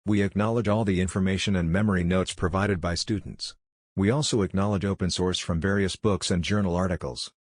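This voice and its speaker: A man with a low voice narrates exam practice material from a script. His delivery is measured and formal, and the sound is dry and close. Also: no echo. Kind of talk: scripted narration, read aloud.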